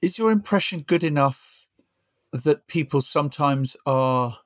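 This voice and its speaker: A man hosting a podcast interview, putting measured questions to his guest. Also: a little high, expressive, no room sound, studio quality. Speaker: podcast host.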